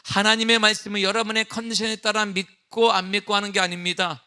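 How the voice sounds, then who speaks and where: A middle-aged man preaching a sermon as pastor, emphatic with call-and-response questions, then easing into a relaxed personal story. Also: high-pitched, fairly quick, clear, resonant tone. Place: church sanctuary.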